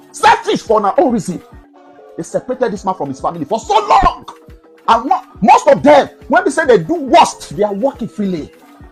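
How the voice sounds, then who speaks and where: With music in the background, a man speaks at an extremely high pitch and a fairly quick pace, his pitch swinging very widely. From Nigeria. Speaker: soldier. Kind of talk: impassioned political address to camera. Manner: emotionally charged.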